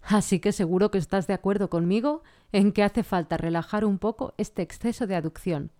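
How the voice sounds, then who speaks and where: A woman vocal coach explaining singing technique in a clear, patient way. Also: mid-range voice, a little fast, mellow. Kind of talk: singing lesson with sung vocal examples.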